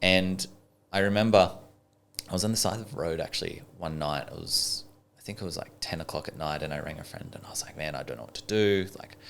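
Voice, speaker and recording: Talking at a very fast pace, a man with an Australian accent has a very deep, low pitch. His loudness swings a lot. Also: ordinary pitch variation. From Australia, Orange NSW. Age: 30s. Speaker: business owner. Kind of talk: podcast interview, personal story. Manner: casual, filler-heavy.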